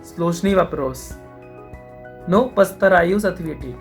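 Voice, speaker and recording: A man's voice: sits high, takes it slowly, soft background music. A man from India with an Indian accent, a guest answering interview questions carefully in a language he has learned. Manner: careful, thoughtful, a little formal. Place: online call.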